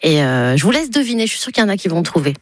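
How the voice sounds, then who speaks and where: A woman's voice: on the low side, sing-song, very fast, no room sound, clean studio sound. A woman from Nice in her thirties, speaking without an accent, chatting as a radio guest with a ready laugh and many hesitations. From Nice, France. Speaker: actress, guest. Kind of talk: radio interview.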